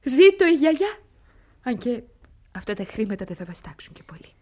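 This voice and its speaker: An actress in a radio play, playing a sentimental aristocratic lady who often speaks in a breathy half-whisper. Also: medium pitch, a little mellow, natural voice. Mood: wistful.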